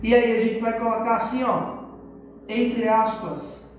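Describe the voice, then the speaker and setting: A woman's voice: a little high, fairly even intonation, measured pace, darkish tone, a little hiss or hum. A woman teacher with a Brazilian accent giving a video lesson to children, patient and checking they follow along. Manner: patient, keeps checking understanding with tag questions. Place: classroom with a whiteboard. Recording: very echoey room.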